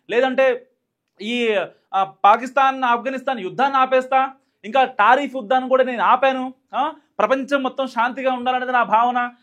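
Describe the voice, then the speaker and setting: A man with a Telugu accent giving emphatic, fast-moving political news commentary, with frequent fillers and restarts. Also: extremely high pitch, fairly bright tone.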